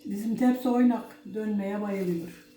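Mellow, toothless older woman. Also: mid-range voice, normal speed. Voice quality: toothless, soft-edged articulation. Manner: folksy, addresses viewers as friends, speaks in blessings. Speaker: home cook presenting a recipe. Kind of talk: casual homely cooking demonstration. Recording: roomy echo, faint background noise.

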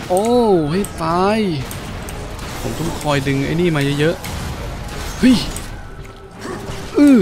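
A man's voice: fairly high pitch, lively intonation, takes it slowly, vocal fry, long pauses. Exclamatory man commentating over game music. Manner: exclamatory, reacting to play with interjections. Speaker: video game streamer. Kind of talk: gameplay commentary. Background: video game music and effects.

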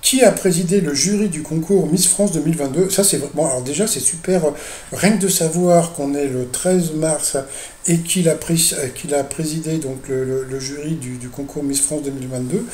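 A man's voice: on the high side, normal speed, darkish tone. A man giving casual, mocking commentary on a TV quiz show for his video channel, hesitating often with fillers. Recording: echoey room.

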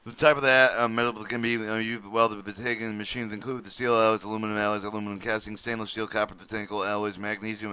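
A man's voice: lowish voice, bright, forceful tone, slight background noise. A man reading a welding manual aloud at his computer, stumbling over words and restarting often. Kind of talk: halting read-aloud of a manual. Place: at a computer, screen recording.

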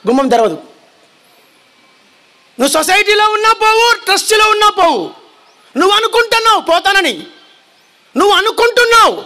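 A man preaching with fire to a congregation, his voice very high and sharp. He shouts his warnings and keeps pressing the listeners to answer and repeat after him. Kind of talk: fiery sermon. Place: church hall before a congregation.

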